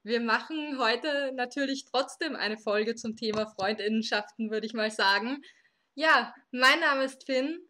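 A bright, fairly high voice belongs to a podcast host in their late twenties from Austria. They moderate a live episode and explain things at length, with small fillers along the way. The tone is clear and forward. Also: female voice, a little slow. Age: 20s.

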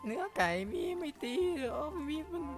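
Squeaky jumpy game hero. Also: male voice, normal speed, over music. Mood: excited. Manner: excitable, yelps and curses when startled. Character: squeaky high-voiced young male game hero, jumpy and excitable. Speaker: game caster. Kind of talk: playing and narrating a block-building game in a put-on voice.

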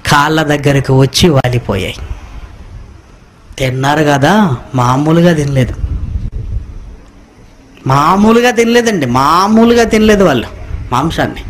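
A man's voice: on the high side, expressive, a little slow, long pauses, slight background noise. A man preaching a sermon, asking the congregation rhetorical questions and repeating phrases for emphasis. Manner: reads scripture line by line, echoing the congregation.

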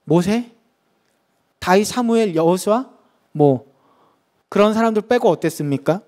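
A man preaching a sermon as pastor, telling the story in a lively way and acting out the voices of the people in it. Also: high voice, measured pace.

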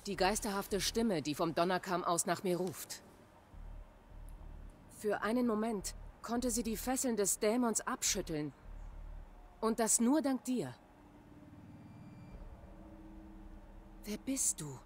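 A woman's voice: medium pitch, lively intonation, measured pace, a little hiss or hum, lightly acted. A woman playing a devout middle-aged tribal shaman in a video game, speaking in grave, formal, dramatic phrases. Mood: awed, intense.

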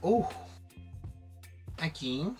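A man's voice: fairly high pitch, lively intonation, drawn-out words. A man talking casually through a makeup tutorial, chatty and affectionate, with faint music behind. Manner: chatty, affectionate, mixes in English phrases. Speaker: makeup vlogger.

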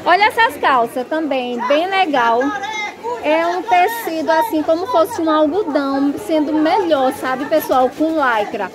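A chatty northeastern woman with a high voice gushes over bargains as she films an open-air market on her phone. The crowd of shoppers is clearly heard behind her. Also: lively intonation, a little slow. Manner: gushing, chatty, repeats "minha gente". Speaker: shopping vlogger. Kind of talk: excited market walkthrough. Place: outdoor clothing market stalls. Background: busy market crowd.

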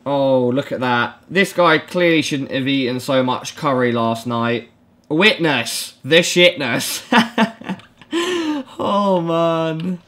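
A man's voice: medium pitch, takes it slowly, a bit bright. A young man giving scared, reactive horror game commentary, nervously pleading and repeating himself, often with dry jokes. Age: young adult. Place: small home room.

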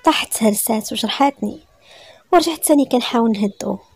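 A woman's voice: fairly high pitch, expressive, fast, a little mellow, slightly rough, dry recording, faint music behind. A woman with a Moroccan Arabic accent narrating a first-person story in an emotional, breathless way.

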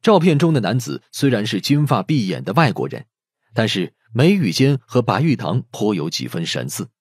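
A man's voice: medium pitch, sing-song, moderate pace, breathy edge, no echo, clean studio sound. A man narrating a scripted detective story as an audiobook narrator.

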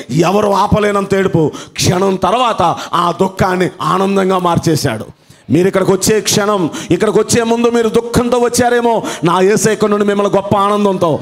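High-voiced fervent male pastor preaching. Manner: dramatic storytelling, repeats phrases for emphasis; fervent, exclaims hallelujah. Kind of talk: sermon.

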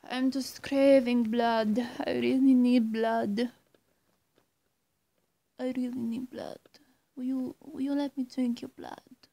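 Woman playing a high-voiced, coy female vampire. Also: vocal fry, warm tone, full character voice. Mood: craving, hushed. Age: young adult. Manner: coy, halting, cooing endearments. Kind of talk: ASMR-style roleplay addressed to the viewer. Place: small indoor room, seated on a bed. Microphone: camera or phone at arm's length.

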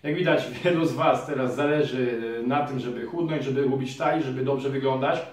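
A man's voice: mid-range voice, a little fast, far from the mic. Man explaining an exercise in an echoey room. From Poland. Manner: calm, explanatory, addresses viewers directly. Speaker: physiotherapist and trainer. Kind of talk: fitness tutorial to camera. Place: small room in front of a curtain. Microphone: camera mic from across the room.

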